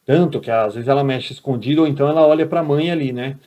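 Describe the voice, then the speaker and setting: A man's voice: mid-range voice, fast talker, dark tone. A man with a Brazilian Portuguese accent giving a recorded lecture as a teacher, talking conversationally and often checking in with his listeners.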